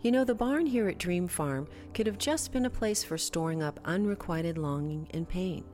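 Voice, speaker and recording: A woman's voice: fairly low pitch, animated, moderate pace, darkish tone, soft background music. A woman from California hosting a radio show, chatting with guests in a loose, filler-heavy way. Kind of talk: casual interview and promo.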